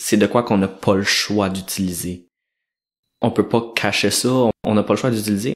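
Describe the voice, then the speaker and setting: With an unremarkable speaking voice, a man talks at a fairly slow pace and fairly low pitch, his intonation fairly even, on a very clean recording with a silent background. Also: very even loudness. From New Brunswick, Canada. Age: 20s. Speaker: social work student. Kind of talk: casual chat.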